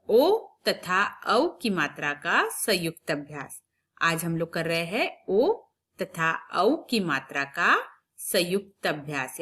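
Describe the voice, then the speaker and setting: Female primary teacher, slow and patient, drawing out sounds for children to copy. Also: lowish voice, a bit bright. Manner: patient, explaining step by step. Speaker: primary school Hindi teacher. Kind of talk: recorded lesson for young children.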